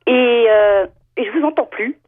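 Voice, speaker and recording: A woman's voice: on the high side, a little slow. Woman in her 30s calling in, lots of ums, rambles a bit, tinny phone sound. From France. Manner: hesitant, many fillers, rambling. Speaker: caller. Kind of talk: phone call to a show.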